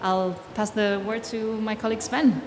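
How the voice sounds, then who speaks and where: A woman in her thirties giving a measured, explanatory presentation at a podium in a large conference hall. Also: mid-range voice, fairly even intonation, noisy background. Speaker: conference panel speaker. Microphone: podium microphone from a distance. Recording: roomy hall reverb, faint ambience.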